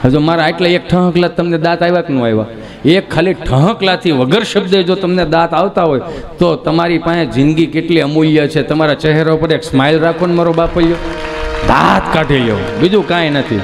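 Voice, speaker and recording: Kathiawadi-accented male comic, high-pitched. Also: brisk. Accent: Gujarati, Kathiawadi. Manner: folksy, chatty, acts out dialogue. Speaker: stand-up comedian. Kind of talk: live folk comedy storytelling. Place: live stage show with audience. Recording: stage mic with crowd noise.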